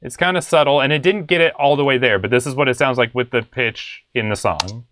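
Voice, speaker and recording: In a small home studio room, a young adult man runs a casual screen-share tutorial on music production, explaining things in a laid-back, conversational style. He speaks at medium pitch, fairly quickly, with a slightly bright tone and a little background noise.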